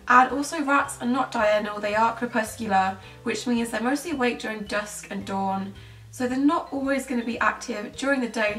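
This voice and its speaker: A woman's voice: a little high, fairly bright tone. A young woman in her twenties with a British accent, giving casual commentary to camera as a pet-care vlogger. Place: small bedroom indoors. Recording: roomy echo, distant microphone, faint music.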